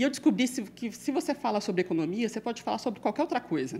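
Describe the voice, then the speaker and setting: Very wide pitch swings from a woman, on a very clean recording with a silent background. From Brazil, São Paulo interior (Marília). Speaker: journalist. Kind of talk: interview.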